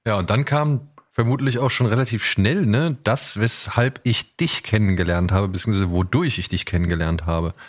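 Male podcast host, lower register, conversational, asks long winding questions. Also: moderate pace, hardly any pauses. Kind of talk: casual conversational interviewing.

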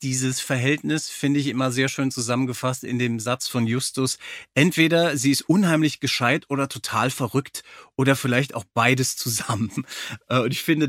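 A man's voice: mid-range voice, a bit bright, dry recording, clean studio sound. A man hosting a podcast in a casual interview style. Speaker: podcast host.

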